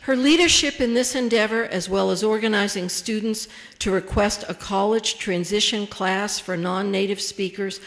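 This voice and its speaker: A woman serving as the emcee of a ceremony, reading out names, titles and introductions in a measured way. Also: mid-range voice.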